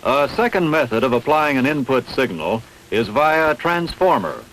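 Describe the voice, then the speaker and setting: A man reading scripted instructional narration in a measured, didactic, carefully enunciated way. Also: medium pitch, sing-song, fairly bright tone, slight background noise, rough recording. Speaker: training film narrator.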